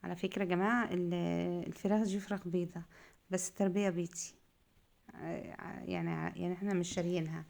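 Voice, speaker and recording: Egyptian home-cook vlogger, woman, middle-aged; rambling, homely chat at a brisk clip with a gravelly voice. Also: fairly low pitch, steady tone, darkish tone. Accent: Egyptian Arabic. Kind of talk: casual cooking chat.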